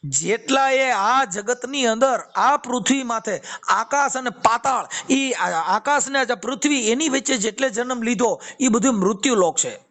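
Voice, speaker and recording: Unhurried and very high-pitched, with a slightly bright tone, a man gives a relaxed spiritual discourse by phone. With a Kathiyawadi Gujarati accent, he quotes verses and repeats phrases, as befits the devotional speaker behind a YouTube channel.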